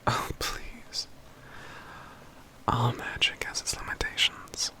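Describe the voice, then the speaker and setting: This ASMR fantasy roleplay features a man in a mid-range voice playing a wry, self-assured mage companion who also cares deeply. He speaks softly and breathily, close to a whisper, with formal, measured phrasing. The mood is wry and sombre.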